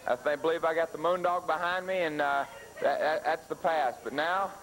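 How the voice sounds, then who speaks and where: A man's voice: on the high side, steady tone, normal speed, fairly bright tone. A man giving a wrestling interview promo as a champion wrestler, earnest, defiant and repeating phrases for emphasis. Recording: noisy 1980s TV wrestling broadcast.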